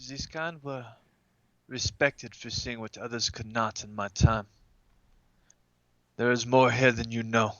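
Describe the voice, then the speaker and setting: A man playing a tabletop roleplaying game, speaking in formal, measured wording on a muffled microphone. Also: mid-range voice, fairly even intonation, a bit bright, dry recording. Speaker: player in a tabletop game podcast. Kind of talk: in-character roleplay and game talk.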